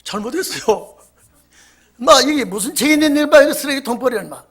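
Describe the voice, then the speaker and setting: A gruff middle-aged deacon put on by a man preaching, furious and scolding. The voice is husky and the pitch leaps and drops all over. He blusters loudly at whoever is in front of him. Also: lively intonation, moderate pace, full character voice. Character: gruff middle-aged male church deacon, hot-tempered.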